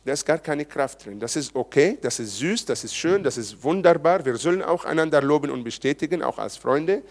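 A pastor preaches a sermon during a church service, speaking conversationally and putting questions to the congregation. His fairly high voice is animated and brisk.

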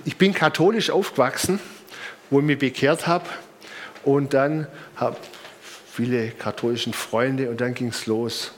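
A man's voice: medium pitch, measured pace, slight background noise. A middle-aged man with a southern German accent preaching informally, with conversational anecdotes and emphatic repetition. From Bamberg, Germany. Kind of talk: sermon with personal anecdotes.

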